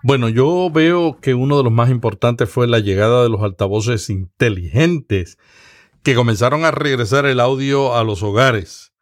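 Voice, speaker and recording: A man from Latin America hosts a podcast conversation at a mid pitch. He explains at length in a measured, steady way, often restarting a phrase before finishing it. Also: soft background music. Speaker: podcast host.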